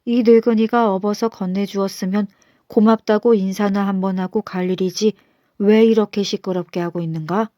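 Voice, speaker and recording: Woman doing a calm old minister. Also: mid-range voice, normal speed, dry recording, clean studio sound, lightly acted. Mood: stern. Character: old male state minister, calm and humble.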